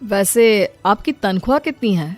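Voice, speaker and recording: A woman voicing a blunt, money-minded male suitor in his thirties in an animated story. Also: mid-range voice, measured pace, faint music behind, lightly acted. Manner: blunt, transactional.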